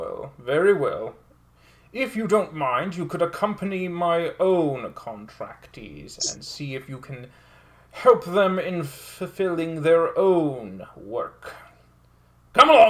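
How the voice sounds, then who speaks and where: A man puts on a character voice with a high pitch. He talks at a fairly slow pace. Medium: actual play. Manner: blustery, stammering.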